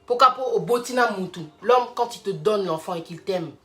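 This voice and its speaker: A woman's voice: mid-range voice, normal speed, faint music behind. A woman, speaking in an emphatic, fiery casual rant and repeating rhetorical questions. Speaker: vlogger. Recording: roomy sound from a distant mic.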